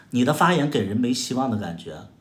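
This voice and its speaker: A man's voice: mid-range voice, fairly bright tone. A man from Heilongjiang with a Northeastern Mandarin accent, hosting a livestream and firing sarcastic, combative retorts at viewer comments with exaggerated exclamations. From Heilongjiang, China. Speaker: livestream host. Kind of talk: casual livestream chat answering viewer comments. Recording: echoey room sound.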